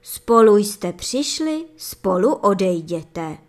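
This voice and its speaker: A woman reading plays a rich lord in a fairy tale. He is stern and judging, and he gives slow, measured pronouncements. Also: medium pitch, big pitch swings, darkish tone, lightly acted.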